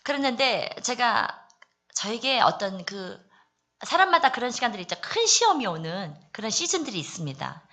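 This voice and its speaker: A woman from the Daegu area giving an earnest church testimony, confiding and personal, with many soft fillers. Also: fairly high pitch, sing-song, normal speed. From Daegu, South Korea. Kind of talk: testimony at a prayer meeting.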